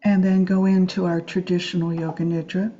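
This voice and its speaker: A woman meditation teacher guiding a Yoga Nidra practice in a gentle, soothing, unhurried way with long pauses. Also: lowish voice, little pitch movement, highs cut off.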